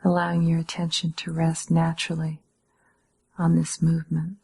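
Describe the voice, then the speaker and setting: A woman meditation teacher giving calm, measured guided instruction in a breathy, slightly husky voice, with gentle pauses. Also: sits low.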